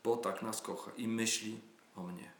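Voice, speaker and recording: A man preaching a sermon in a slow, heartfelt way, pausing with hesitant fillers. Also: fairly low pitch, steady tone, vocal fry, slight background noise. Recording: roomy echo.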